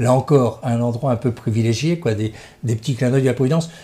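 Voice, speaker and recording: Somewhat breathy and dark, mellow in tone, a man speaks at a medium pitch and fairly quick pace with ordinary pitch variation. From western France, Poitou (Poitiers, Vendée). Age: 70s. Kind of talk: interview. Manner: hesitant, many fillers.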